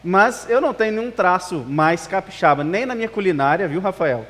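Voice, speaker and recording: A man's voice: high-pitched, lively intonation, brisk, fairly bright tone. A male pastor with a Minas Gerais Brazilian accent, preaching to a congregation in a conversational manner. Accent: Minas Gerais Brazilian Portuguese. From Espírito Santo, Brazil. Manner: conversational, rhetorical questions, tag "né". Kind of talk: sermon to a congregation. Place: church service, amplified hall. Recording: reverberant hall.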